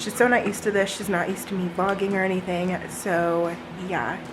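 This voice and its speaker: A woman of medium pitch talks at a moderate pace amid noticeable background noise and audible room echo. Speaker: lifestyle vlogger and health coach. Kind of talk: casual vlog. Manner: soft-spoken.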